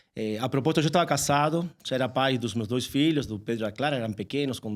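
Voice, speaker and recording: On a very clean recording with a silent background, a man with a Spanish accent speaks with ordinary pitch variation. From Argentina. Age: 40s. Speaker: bank executive. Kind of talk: podcast interview.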